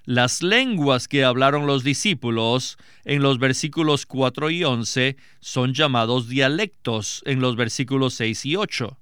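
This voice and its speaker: A man giving a scripted Bible exposition as a teacher, reading in a measured, emphatic way. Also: mid-range voice, fairly bright tone, smooth, no echo, clean studio sound.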